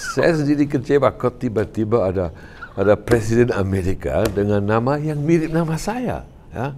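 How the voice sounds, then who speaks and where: Moderate pace and lively intonation, with noticeable background noise behind. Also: man, medium pitch for a man. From Germany, Ruhr area. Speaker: Indonesianist scholar. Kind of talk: casual interview chat.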